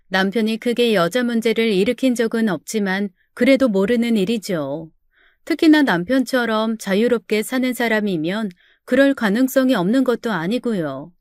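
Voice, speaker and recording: A woman's voice: fairly high pitch, no echo, clean studio sound. A woman narrating her own story in a confiding, first-person storytelling manner.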